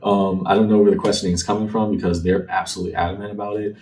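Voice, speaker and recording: A man's voice: fairly low pitch, little pitch movement, very fast, darkish tone. A man speaking casually and conversationally to the viewer as a fortune-telling tarot card reader. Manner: conversational, checks in with "right?". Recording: distant mic, faint background noise.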